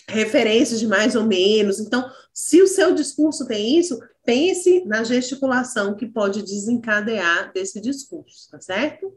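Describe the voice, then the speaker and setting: A woman teacher giving encouraging feedback to students in an online class, speaking over a video call and thinking aloud with fillers. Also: a little high.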